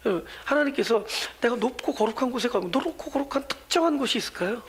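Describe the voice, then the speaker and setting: A pastor preaching a sermon, swinging between loud emphasis and soft near-whispers, and putting questions to the congregation before answering them. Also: medium pitch, animated, fast talker, slightly rough.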